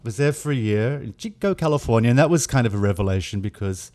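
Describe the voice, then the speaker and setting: A man from Australia with an Australian accent, a guest in casual chat, telling rambling, self-deprecating stories with quick asides. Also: medium pitch, expressive, a little mellow.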